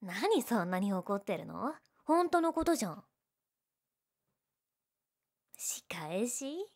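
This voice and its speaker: A woman's voice: medium pitch, very animated, normal speed, a little mellow. A young woman playing a teasing, prickly, secretly lovestruck tsundere childhood friend in a romantic audio drama. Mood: flustered, indignant. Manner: bratty teasing, flustered, emotive.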